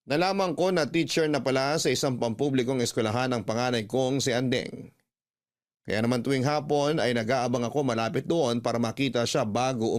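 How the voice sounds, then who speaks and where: An actor playing a remorseful middle-aged father, just out of prison, speaking quietly and wistfully in a radio drama. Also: mid-range voice, lightly acted. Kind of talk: Tagalog radio drama acting, in-character narration.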